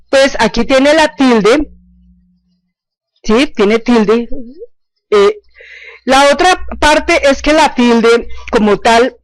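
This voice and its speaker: A woman's voice: on the high side, no echo, low-quality recording. A woman teaching an online language lesson, explaining patiently, repeating points and often checking that students follow.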